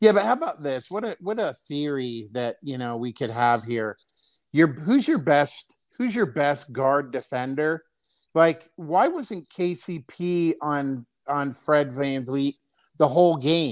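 Over a silent background in a very clean recording, a man uses a normal speaking voice, fairly high in pitch, talking at a fairly slow pace with lively intonation. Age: 50s. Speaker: podcast co-host and basketball coach. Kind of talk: casual chat.

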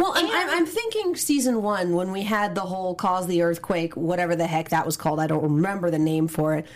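A woman's fairly low voice at a fairly quick pace with hardly any pauses, against noticeable background noise. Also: ordinary pitch variation. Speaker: TV after-show panelist. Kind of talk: casual panel chat.

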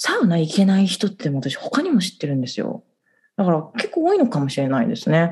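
A very fast-talking woman with a Japanese accent. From Japan, Okayama. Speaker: English pronunciation teacher. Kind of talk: casual interview.

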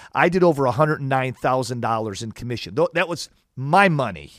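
An animated man with an American accent, lively intonation and a fairly quick pace, in a dry, close sound with no echo on a very clean recording with a silent background. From US Midwest, Detroit. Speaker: insurance agent and podcast host. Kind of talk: interview.

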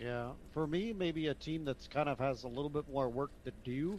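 A man with a fairly high pitch and ordinary pitch variation talks at a fairly slow pace. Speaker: sports podcast co-host. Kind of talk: casual chat. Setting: remote video call. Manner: halting, many fillers.

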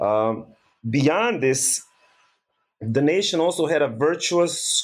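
Very slowly and with lively intonation, a man speaks at a fairly high pitch and keeps his loudness very even. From Bosnia, Sarajevo. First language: Bosnian. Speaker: political science professor and author. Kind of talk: interview about his book.

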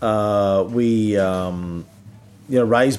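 Fairly low pitch from a man with an Australian accent. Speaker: podcast host and documentary filmmaker. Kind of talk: casual chat. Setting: hotel room. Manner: casual, halting.

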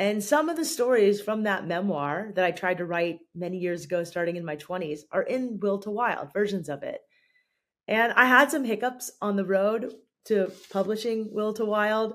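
In an ordinary speaking voice, a woman at medium pitch talks at a moderate pace with lively intonation on a very clean recording with a silent background. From US West Coast, San Diego. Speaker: author and adventure journalist. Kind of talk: interview conversation.

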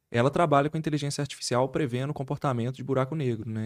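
Over a very clean, silent background, a man talks very fast at a medium pitch with ordinary pitch variation. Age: 30s. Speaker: biomedical scientist and science communicator. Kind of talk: casual interview.

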